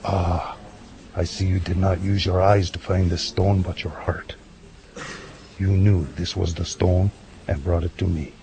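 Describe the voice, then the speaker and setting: Man playing a deep-voiced, solemn medicine man. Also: level tone, gravelly, warm tone, slight background noise. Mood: cryptic, serene. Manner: measured, ceremonial, speaks in riddles. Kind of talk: audio drama acting.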